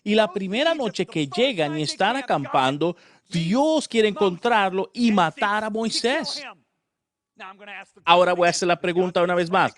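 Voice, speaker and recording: A man preaching a sermon, telling the story in an animated way and acting out the characters. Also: high-pitched, a little slow.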